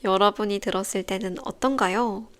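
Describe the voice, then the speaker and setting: A young woman hosting a podcast for language learners, explaining in a calm, clear, carefully paced scripted way. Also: medium pitch, normal speed. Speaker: Korean teacher podcast host.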